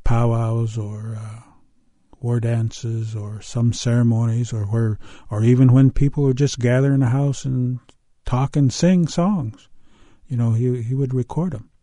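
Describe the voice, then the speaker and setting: An older man from the US Pacific Northwest telling a folk tale and talking about old recordings, in a halting, unhurried way with many pauses and fillers. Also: medium pitch, steady tone, warm tone, dry recording, studio quality. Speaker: storyteller. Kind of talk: oral storytelling and interview.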